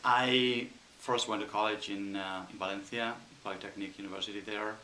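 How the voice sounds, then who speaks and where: A man from Spain with a Spanish accent, an engineer answering interview questions thoughtfully with frequent pauses and ums. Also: on the low side, steady tone, pushed and bright, echoey room, a little hiss or hum, rough recording. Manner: thoughtful, hesitant with many ums.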